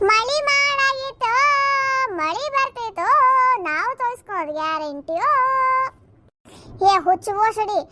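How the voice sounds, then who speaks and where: Squeaky bickering village women. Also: female voice, animated, heavy background noise. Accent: North Karnataka Kannada. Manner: quick, scolding banter. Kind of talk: cartoon comedy dialogue.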